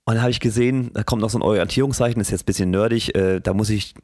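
A man co-hosting a casual podcast, telling a lively story from his work as a train driver. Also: fairly low pitch, rapid-fire, no room sound, studio quality. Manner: storytelling, lively, quotes himself. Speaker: podcast co-host. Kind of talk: casual chat.

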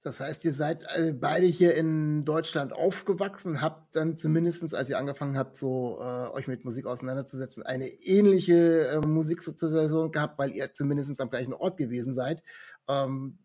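A man hosting a relaxed podcast interview, asking long questions full of hesitations and fillers. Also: fairly high pitch, moderate pace, breathy edge. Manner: hesitant, many fillers and restarts. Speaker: podcast host. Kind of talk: casual interview.

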